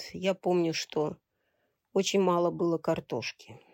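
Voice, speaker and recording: A very slow pace with ordinary pitch variation. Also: woman. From Ukraine. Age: 70s. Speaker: grandmother. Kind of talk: casual interview.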